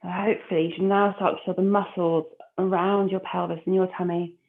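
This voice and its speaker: A woman leading a core exercise class, giving calm, encouraging cues and breath counts. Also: on the low side, fairly quick. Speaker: fitness instructor. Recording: phone-like narrow audio.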